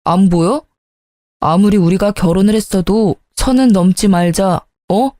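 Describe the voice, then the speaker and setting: A woman's voice: medium pitch, a little slow, dark tone, dry recording, clean studio sound, natural voice. A woman voicing a defensive, self-justifying young husband in a story reading, brusque and dismissive. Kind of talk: storybook narration.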